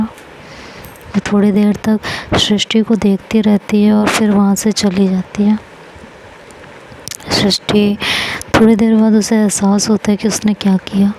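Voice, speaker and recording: A woman's voice: mid-range voice, dark tone, a little hiss or hum, poor audio. A woman storyteller narrating a romance in a plain, conversational way.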